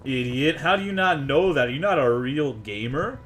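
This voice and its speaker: A Texas man banters with viewers during a game stream, crude and cursing, in an animated, medium-pitched voice. He talks at normal speed with a fairly bright tone, keeping it casual and jokey.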